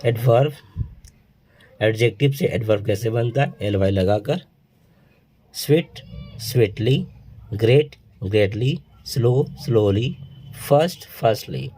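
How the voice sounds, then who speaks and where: A man teaching word formation, slowly reading out word pairs one by one. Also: medium pitch, lively intonation, dark tone, slightly rough, low-quality recording. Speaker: English teacher. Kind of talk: explaining word formation to students.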